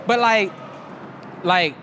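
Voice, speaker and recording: A man's voice: sits high, extremely slow. A man with a Charleston Geechee Southern Black accent, chatting casually and slangily as an interview guest. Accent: Charleston Geechee Southern Black American. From Charleston, South Carolina, USA. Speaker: interview guest, visual artist. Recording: clear loud traffic noise outdoors.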